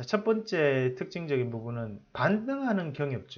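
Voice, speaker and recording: A somewhat breathy man's voice, fairly high-pitched, with very wide pitch swings. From South Korea. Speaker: stock market analyst. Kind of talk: market commentary video. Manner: hesitant with frequent fillers. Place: office. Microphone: lapel.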